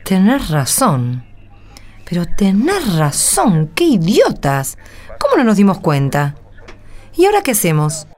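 A woman's voice: mid-range voice, wildly swooping pitch, a little slow, darkish tone. A woman with an Argentine accent playing an anxious, puzzled parish churchgoer in a radio drama. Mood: dismayed. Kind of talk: Spanish-language radio drama acting and narration. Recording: music under the voice. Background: music.

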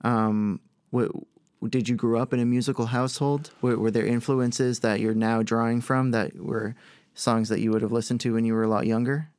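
A man's voice: mid-range voice, flat delivery, normal speed, darkish tone, smooth, no room sound, studio quality. A man guest-hosting a local music show, asking questions in a thoughtful, conversational way with some hesitations. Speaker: guest host. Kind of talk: casual interview questions.

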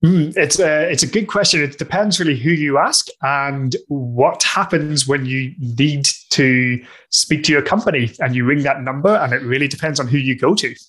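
A man with a Northern Irish accent answering interview questions in a thoughtful, conversational way, pausing often with fillers and restarts. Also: medium pitch, fairly bright tone, rough recording. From Northern Ireland. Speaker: guest discussing customer success.

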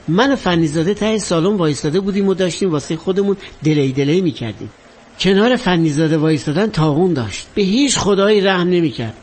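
A vain, half-mad star of yesterday, grand and bitter in every word, as a man plays him. The voice sits high for a man, with a faint ambient hiss under the drama recording. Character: faded vain male actor, boastful, half-mad. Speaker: actor in a stage or film drama. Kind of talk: dramatic monologue acting.

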